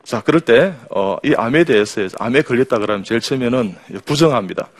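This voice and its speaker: Male surgeon giving a jokey talk to a crowd, rattles off lists, gets folks to react, middle pitch. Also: lively intonation, fairly quick. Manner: jokey, rhythmic word lists, quotes patients in their voices. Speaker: surgeon and professor. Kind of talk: humorous health talk to an audience.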